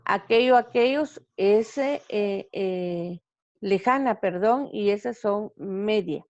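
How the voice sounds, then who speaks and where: A woman teacher giving a recorded grammar lesson over slides, speaking haltingly with many fillers and self-corrections. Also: mid-range voice, a little mellow, dry recording. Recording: dull, lo-fi sound.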